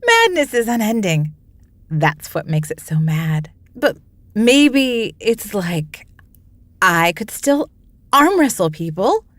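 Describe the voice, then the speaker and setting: A woman's voice: fairly high pitch, fairly bright tone, no echo, heavily acted. A woman playing a simple, brawny arm-wrestling wasteland character in a comedy sketch.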